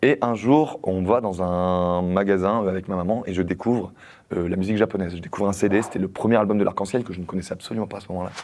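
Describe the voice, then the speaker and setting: Very fast and with fairly even intonation, a man speaks in a very deep, low pitch. The recording is very clean with a silent background. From France. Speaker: YouTuber and actor. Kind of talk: interview storytelling.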